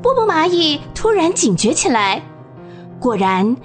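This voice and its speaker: A woman narrating a children's radio drama with expressive, vivid storytelling. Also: high voice, measured pace, faint music behind.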